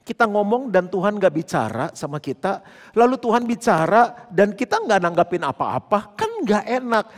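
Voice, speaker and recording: A male pastor preaching a sermon in a lively, conversational way with playful asides. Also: sits high, normal speed. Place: church hall. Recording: long church hall reverb.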